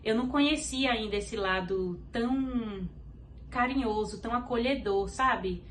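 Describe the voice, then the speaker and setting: A woman's voice: fairly high pitch, measured pace, slight background noise. A woman from Brazil with a Brazilian Portuguese accent, a podcast guest giving an earnest faith testimony and acting out what others said.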